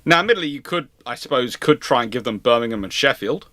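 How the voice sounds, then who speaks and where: Guy hosting a panel q&a, bright forceful voice, emphatic, really dry close sound. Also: mid-range voice, lively intonation, fast talker, no echo. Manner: emphatic, repeats himself and explains insistently. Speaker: host of a live question-and-answer panel. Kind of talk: informal panel discussion answering viewer questions.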